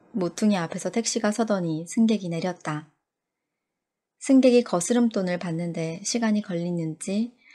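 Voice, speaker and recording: Over a silent background in a very clean recording, a woman with a medium pitch speaks at a moderate pace in a calm, dark, mellow tone with ordinary pitch variation. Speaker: audiobook reader. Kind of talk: audiobook narration. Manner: soft, calm, sleep-inducing.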